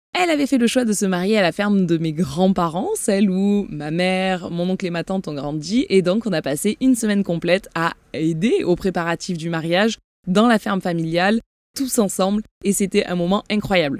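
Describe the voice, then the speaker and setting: A woman talks at a moderate pace in a southern French accent. The sound is dry and close, with no echo. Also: medium pitch for a woman, ordinary pitch variation. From southern France (Marseille, then Var). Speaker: podcaster. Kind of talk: casual monologue. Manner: chatty.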